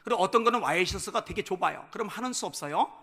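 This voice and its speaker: Man preaching a revival sermon, high bright voice, goes from soft storytelling to full-on shouting. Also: animated, fast talker, breathy edge. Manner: builds from quiet storytelling to loud shouted preaching. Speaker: pastor. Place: church sanctuary.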